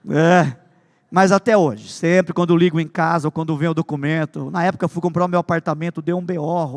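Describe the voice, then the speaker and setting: A man preaching a sermon with humorous stories, swinging between loud emphasis and hushed asides. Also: fairly high pitch, in a large hall. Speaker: pastor.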